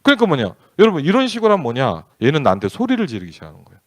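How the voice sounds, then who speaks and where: A man's voice: fairly high pitch, huge pitch swings, very fast, no room sound. A male pastor preaching in a candid, conversational storytelling way, acting out bits of dialogue as he tells a family story. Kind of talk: storytelling sermon.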